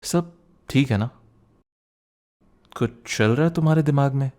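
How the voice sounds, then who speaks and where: In an intimate ASMR roleplay, a man plays a young student boyfriend who is teasing and protective, speaking softly and conversationally. His natural, mid-range voice moves a little slowly, with a caring, curious mood.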